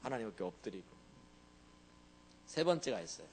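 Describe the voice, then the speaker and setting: Lively conversational male pastor preaching. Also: lowish voice, brisk, husky. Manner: conversational, often asks the congregation to agree. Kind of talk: sermon.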